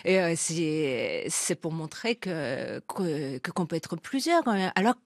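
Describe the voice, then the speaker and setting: A Japanese woman in her fifties with a Japanese accent, speaking French as a second language in a radio interview, halting and full of fillers and restarts. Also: low-pitched, big pitch swings, vocal fry, dry recording, clean studio sound. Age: 50s. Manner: hesitant, many fillers and restarts, laughs often. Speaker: guest writer.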